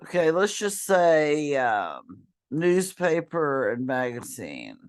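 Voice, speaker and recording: Hoarse woman giving a slow tutorial. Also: sits low, very animated, darkish tone. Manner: slow, halting, clears throat often, apologetic. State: losing her voice, hoarse and whispery. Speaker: college librarian or instructor. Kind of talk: screen-share tutorial for a student.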